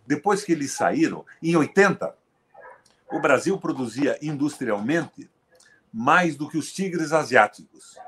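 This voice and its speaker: An older man in his seventies, heard hosting a political conversation in a somewhat high voice. He argues emphatically, pushing certain words hard and letting others drop. His voice climbs and falls sharply as he makes his points. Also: animated, a little slow, slight background noise. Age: 70s. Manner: emphatic, forceful, with sharp swings in pitch and loudness. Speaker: host, veteran politician.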